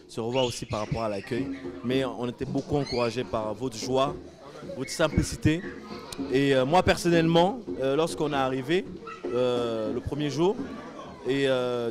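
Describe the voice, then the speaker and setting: A man interviewed after a church event, giving a spontaneous testimony with many pauses and fillers. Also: mid-range voice. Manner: hesitant, many fillers, grows animated.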